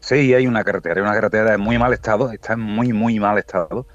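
A man's voice: fairly low pitch, quick pace, no echo, faint music behind. A man in his sixties from Spain, calling in from a roadside to a radio interview. His phone line keeps breaking up, and he answers matter-of-factly, repeating words when he is not heard. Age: 60s. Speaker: guest calling in from the road. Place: outdoors by a road. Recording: dull dry phone line.

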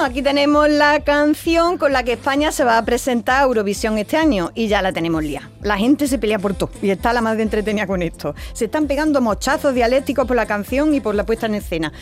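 A woman's voice: on the high side, quick pace, hardly any pauses. Chatty Andalusian woman on the radio. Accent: Andalusian (Jaén). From Alcaudete, Jaén, Andalusia. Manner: chatty, explanatory, keeps adding tag questions. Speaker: radio section presenter. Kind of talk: radio talk segment. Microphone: studio microphone.

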